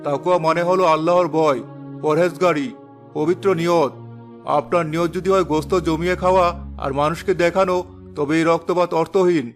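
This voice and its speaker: A man plays a calm, wise village imam in a cartoon story, measured and preaching. His voice sits slightly high for a man. Faint music plays behind. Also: lightly acted. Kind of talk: cartoon voice acting. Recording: music underneath.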